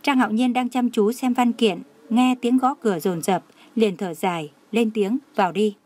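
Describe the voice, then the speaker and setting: Woman narrating a novel, higher voice. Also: normal speed, a little mellow.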